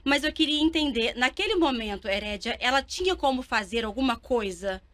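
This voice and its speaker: Bright-voiced Brazilian woman hosting. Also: fairly high pitch, animated, a little fast. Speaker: talk show host. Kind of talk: interview, introducing guests.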